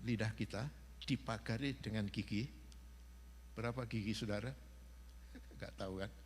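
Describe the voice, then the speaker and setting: The speaker moves at a moderate pace with lively intonation and vocal fry, broken up by long, frequent pauses. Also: man, fairly low pitch for a man. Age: 70s. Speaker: visiting pastor. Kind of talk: sermon. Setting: church.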